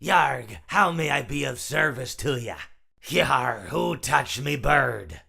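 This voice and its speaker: Lively stage-pirate game character. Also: male voice, medium pitch, slow, creaky, husky, exaggerated voice. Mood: gruffly obliging. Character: gruff, obliging pirate with a pet bird. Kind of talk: video game character voice lines.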